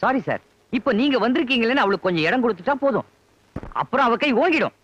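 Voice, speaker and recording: A man's voice: extremely high pitch, big pitch swings, fast, highs cut off, full character voice. An actor playing a young office clerk who fawns over his boss and barks orders at his wife, in a 1980s film comedy with a Tamil Nadu accent. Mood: bossy. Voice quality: shouty and domineering toward his wife, sugary toward his boss.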